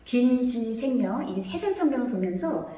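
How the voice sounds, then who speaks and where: A woman interviewer asking a priest polite questions in a lively way. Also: on the high side, moderate pace, heavy reverb, recorded from a distance, noisy background.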